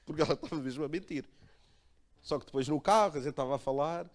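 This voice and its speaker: A male pastor with a European Portuguese accent, giving a conversational sermon built around a personal story. He tells it in a lively way, laughs at himself and acts out the dialogue. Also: on the high side, fast talker. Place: church.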